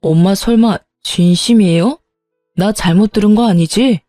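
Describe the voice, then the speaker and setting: A woman's voice: medium pitch, moderate pace, soft background music, close to an everyday voice. A woman voicing a hot-tempered young husband arguing with his parents in a narrated story. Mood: agitated. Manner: pleading then loud, insistent.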